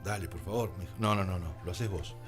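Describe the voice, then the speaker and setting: Low-voiced and quick, this Argentine radio drama producer and adapter is being interviewed in a studio with music underneath. He spins anecdotes in a chatty way, acting out the lines people said.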